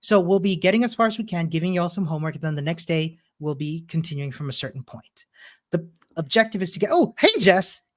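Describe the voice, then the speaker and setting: Encouraging co-host man from Chile. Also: a little high. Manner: warm, encouraging, quick affirmations. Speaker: bootcamp co-host. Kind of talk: casual livestream lesson.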